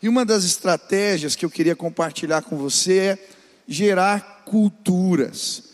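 A man's voice: high-pitched, unhurried, in a large hall. A man, a pastor, preaching earnestly on family life and urging the listener directly.

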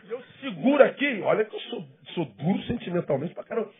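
A Brazilian Portuguese-accented man, a pastor, preaching a sermon with passion, swinging from loud emphasis to hushed tones. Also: high-pitched, big pitch swings, fast. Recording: tinny phone-like sound.

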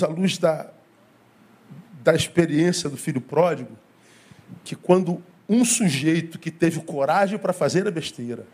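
A Brazilian pastor preaches a sermon in a high-pitched, slightly husky voice. He tells a story, repeats phrases for effect and acts out what people said, with a Brazilian Portuguese accent. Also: darkish tone.

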